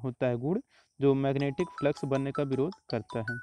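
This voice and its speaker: A man, teaching exam questions step by step in a steady, explanatory way. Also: mid-range voice, fairly quick, faint music behind. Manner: steady explanatory, repeats answers, frequent "तो देखिए" and "आपका".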